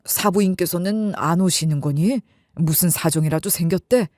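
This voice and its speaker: A woman's voice: fairly low pitch, normal speed, darkish tone, no room sound, studio quality, voice pushed down, close to an everyday voice. A woman voicing a mild, puzzled middle-aged father who asks questions.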